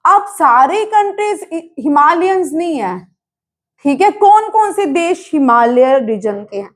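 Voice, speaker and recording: High-voiced woman teaching a quiz lesson. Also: very animated, a little slow. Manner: drills students with repeated questions and answers; mixes English terms into Hindi. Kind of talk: exam-prep current affairs lesson.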